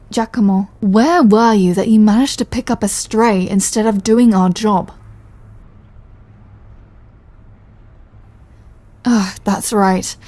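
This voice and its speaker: A woman's voice: medium pitch, a little mellow, dry recording, natural voice. A British woman playing an apologetic, sardonic mafia boss with a protective, flirty streak in an ASMR audio roleplay. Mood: exasperated, sardonic. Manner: dry, sardonic, sighing, exasperated. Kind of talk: ASMR audio roleplay, close scripted acting.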